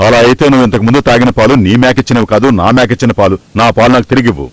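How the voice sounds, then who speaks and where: A man's voice: mid-range voice, racing, no room sound, lightly acted. A man voicing a firm, persuasive old grandfather in a cartoon dub. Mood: firm persuading. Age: older. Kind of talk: Telugu cartoon dubbing.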